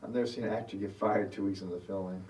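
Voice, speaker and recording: A man's voice: fairly low pitch, steady tone, fast, a little mellow, close to an everyday voice. An actor playing a dry, teasing male friend. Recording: distant, echoey, faint noise.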